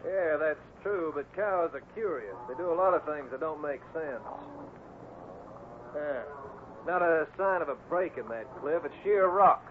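A man's voice: a little high, animated, unhurried. An actor playing a stern, fatherly cowboy ranch foreman with a folksy, commanding way of talking in a 1950s radio Western. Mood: watchful. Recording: tinny, noisy old radio recording.

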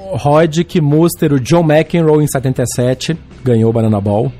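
A Brazilian man hosts a relaxed sports podcast. His voice is hoarse and honking, breaking out of tune at times from a sore throat, over a mellow, low-brightness tone. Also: normal speed. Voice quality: hoarse, honking voice with occasional cracks. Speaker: podcast host. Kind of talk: casual sports podcast talk about tennis.

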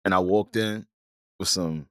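A man's voice: sits low, measured pace, clear, resonant tone, no echo, clean studio sound. A man with an African American accent in casual, slangy podcast banter, joking as he hosts. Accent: African American English. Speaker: podcast host.

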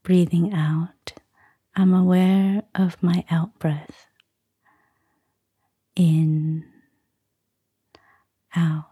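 A woman speaking in a soft, breathy near-whisper, calmly and soothingly guiding a meditation. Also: on the low side, dry recording, clean studio sound. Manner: calm, slow, soothing. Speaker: Buddhist nun, meditation guide. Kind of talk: soft-spoken guided meditation.

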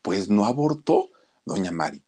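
A man's voice: on the low side, very animated, unhurried, mellow, slightly rough. A man telling a moralizing story, chatting directly to his listeners.

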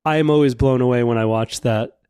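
A man's voice: medium pitch, fairly quick, warm tone, smooth, no room sound. Male co-host, enthusiastic, chatty, dry close sound. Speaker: podcast co-host. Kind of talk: conversational interview hosting. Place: venue on a city pier.

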